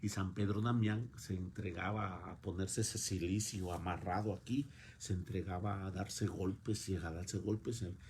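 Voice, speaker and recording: A man's voice: low voice, steady tone, unhurried, hardly any pauses, a little mellow, a little hiss or hum. A man preaching a homily in a parish church, emphatic, repeating words as his voice swells and drops. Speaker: priest.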